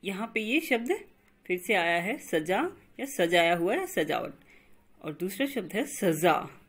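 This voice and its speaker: Slow, husky-voiced woman teacher. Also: medium pitch, very animated. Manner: patient, explains slowly and repeats words. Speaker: school teacher. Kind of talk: recorded online grammar lesson.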